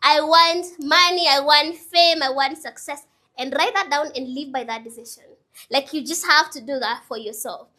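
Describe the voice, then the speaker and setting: A woman's voice: high voice, moderate pace, bright, forceful tone. A woman in her twenties giving earnest, chatty motivational advice straight to her viewers, repeating her points with casual asides. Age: 20s. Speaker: motivational vlogger. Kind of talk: casual motivational talk to camera.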